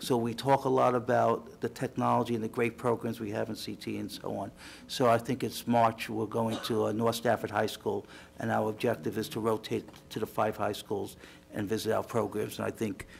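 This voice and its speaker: In a New York accent, a man talks at a moderate pace and medium pitch, his intonation monotone and flat. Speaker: school superintendent. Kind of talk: formal report at public meeting. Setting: school board meeting.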